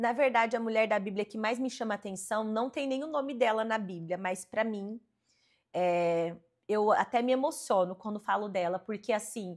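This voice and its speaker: A woman with an unremarkable speaking voice and fairly high pitch talks at a moderate pace, with ordinary pitch variation and a quiet background. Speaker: missionary preacher. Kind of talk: casual interview chat.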